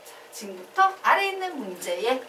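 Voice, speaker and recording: A woman math teacher giving a classroom lecture, animated and quizzing her students as she explains. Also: on the high side, normal speed, roomy sound, recorded from a distance, slight background noise. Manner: animated, asks the class questions and drills answers.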